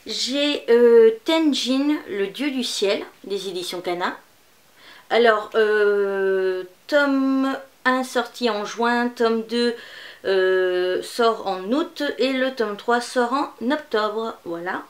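A woman's voice: a little high, slow. A woman presenting manga in a casual unboxing vlog, chatty and rambling, with many fillers. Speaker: manga YouTuber.

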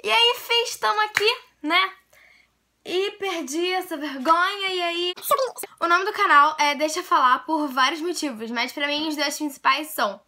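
A young Brazilian woman with a Brazilian Portuguese accent, talking in a playful, self-mocking vlog, with loud bursts and low mutters. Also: measured pace, background noise. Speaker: YouTuber. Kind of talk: casual vlog monologue.

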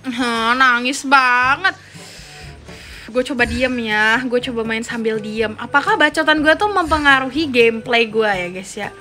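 A young woman giving excitable casual commentary while playing a mobile game at home, swearing and talking to herself and her viewers. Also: on the high side, measured pace, faint music behind.

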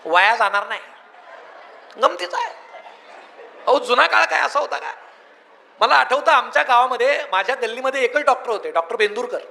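A man's voice: very high voice, brisk, creaky, bright, forceful tone. A man giving a humorous motivational speech, telling folksy anecdotes in a joking storyteller's manner, in an echoey hall. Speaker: public speaker.

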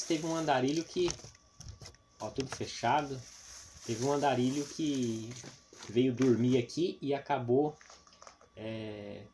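A man from Paraná, Brazil, with a medium-pitched and slightly mellow voice, hosts a casual exploration vlog. He chats with viewers and uses frequent tag questions while touring an abandoned, roofless house and overgrown grounds, recorded on a noisy handheld camera outdoors.

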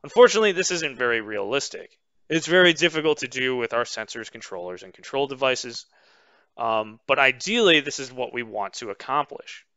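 Bright-voiced man explaining slides. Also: mid-range voice, expressive, no room sound, muffled recording. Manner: measured explanatory pace with frequent "um" fillers. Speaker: instructor. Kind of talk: webinar lecture over slides.

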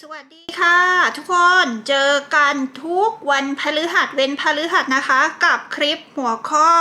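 A woman's voice: high voice, bright, forceful tone. A woman doing a chatty tarot card reading for her channel, laughing often and drawing out card names as she turns them. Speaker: tarot reader. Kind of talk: casual tarot reading to camera.

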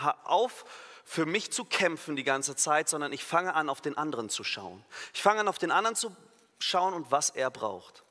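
Delivering a sermon, a fairly high-voiced male pastor acts out imagined inner voices with emphatic energy, sometimes correcting himself partway through a sentence. The recording carries the long reverb of the church hall he's in.

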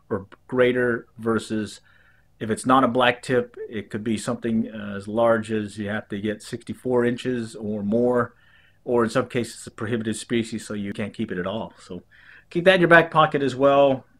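Middle-aged American man, casual and conversational. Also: mid-range voice. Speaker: host of a fishing video channel. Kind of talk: casual recap of fishing tips to camera. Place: small indoor home office.

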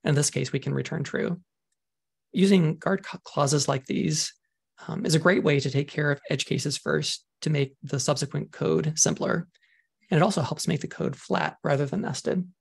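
A man presenting a programming webinar over slides, talking in a measured way with frequent ums while he is losing his voice. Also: fairly high pitch, gravelly, breathy edge. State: losing his voice, clearing throat.

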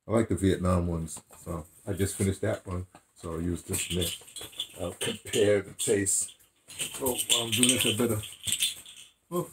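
An American man in his seventies with a husky voice, reminiscing casually to camera in a halting, digressive way, correcting himself as he goes. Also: sits low, steady tone, a little hiss or hum, rough recording. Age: 70s. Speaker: theatre director and radio dramatist recounting his career. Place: small furnished room indoors.

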